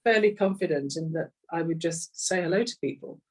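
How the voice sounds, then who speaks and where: A middle-aged woman with an English accent, originally from Kenya and later living in rural England, tells personal stories as an interview guest and executive coach. Her lowish voice is brisk and sounds far from the mic; she is conversational and reflective, repeating phrases for emphasis.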